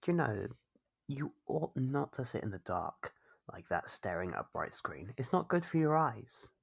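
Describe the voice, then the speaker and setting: Performer playing a possessive yandere captor, ASMR roleplay, raspy, fry-laden voice, coaxing, chiding, mockingly doting. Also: mid-range voice, big pitch swings, exaggerated voice. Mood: scolding, possessive. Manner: coaxing, chiding, drawn-out teasing questions. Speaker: voice actor.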